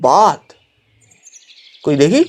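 A man's voice: fairly high pitch, sing-song, extremely slow, slight background noise, exaggerated voice. An actor playing a brash, boastful young man who plays doctor in a comic audio drama, theatrical and self-important.

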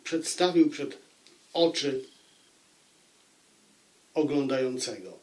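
Slow-talking man reviewing a book. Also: mid-range voice, expressive, darkish tone. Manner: deliberate, repeats phrases for emphasis. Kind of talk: unscripted book review monologue.

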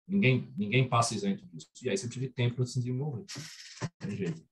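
A Brazilian doctor in casual chat, telling stories animatedly and acting out his own quotes, over a video call. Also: medium pitch. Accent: Brazilian Portuguese. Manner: animated, quick storytelling with acted-out quotes. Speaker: guest doctor working abroad.

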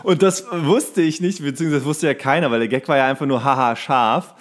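A man's voice: a little high, brisk. A man co-hosting a podcast, telling anecdotes in a loose, colloquial way. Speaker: podcast co-host. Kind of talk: casual chat, anecdotes.

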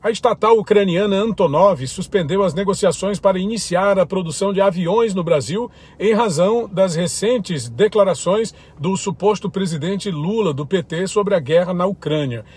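A man's voice: high-pitched, moderate pace, hardly any pauses, a little mellow, husky. A man from Brazil reading out opinionated news commentary in a firm, critical tone. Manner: reads out items in a firm, critical tone.

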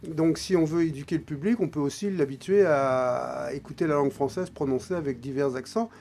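A man in his forties, a guest in a radio studio, explaining at a measured, hesitant pace and often trailing off quietly. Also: on the high side, creaky. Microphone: studio microphone, wearing headphones.

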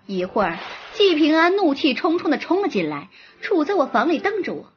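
A young woman reading a romance novel in first person with lively, expressive storytelling. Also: high voice, a little fast. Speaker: audiobook narrator. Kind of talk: scripted first-person narration. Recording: slightly muffled with soft music.

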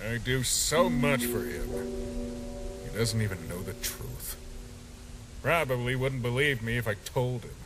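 A man voicing a sly, teasing skeleton sentry monster with a gruff streak and smug pet names, in a comic dub. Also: medium pitch, a little slow, long pauses, lightly acted. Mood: bitter brooding. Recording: music playing behind.

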